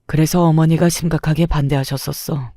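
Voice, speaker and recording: A woman reading the part of an older husband who quietly confesses and apologizes to his wife, in a subdued tone. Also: on the high side, steady tone, a little fast, dry recording, studio quality. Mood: remorseful.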